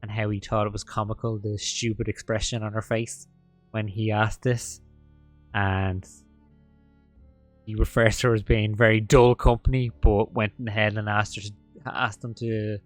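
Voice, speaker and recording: Halting man running a tabletop game. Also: fairly low pitch, no echo. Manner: halting, full of fillers and restarts. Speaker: game master.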